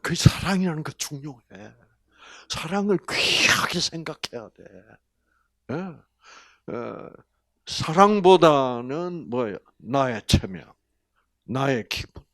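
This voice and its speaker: An older man with a Gyeongsang Korean accent giving a health lecture, folksy and animated, full of rhetorical questions. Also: fairly high pitch, slow pace, dry recording, clean studio sound. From Gyeongsang region, Korea.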